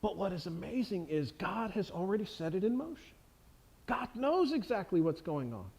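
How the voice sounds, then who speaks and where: A man's voice: high voice, big pitch swings, normal speed, vocal fry, a little mellow, slightly rough, rough recording. A man preaching a sermon in a church, earnest and emphatic, asking the congregation rhetorical questions. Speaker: pastor. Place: church sanctuary.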